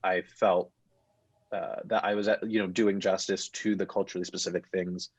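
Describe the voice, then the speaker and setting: A man around thirty, an actor speaking reflectively as a panel guest, in a halting, thoughtful way that often restarts. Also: low voice, flat delivery, breathy edge, no echo. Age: 30s. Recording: muffled, dull online-call audio.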